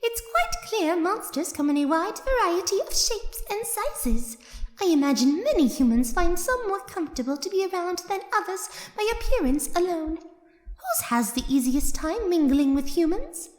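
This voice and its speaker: A woman's voice: extremely high pitch, sing-song, moderate pace. A woman voicing an inquisitive fan, reading questions for a comic dub in a reverberant space. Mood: curious. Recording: echoey, reverberant room.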